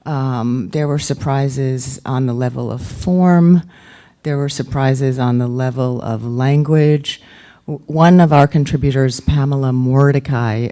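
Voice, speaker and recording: Woman poetry editor presenting at a reading; slow and mellow, halting with fillers. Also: very deep voice. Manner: halting, thoughtful, many fillers. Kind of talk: literary reading and talk.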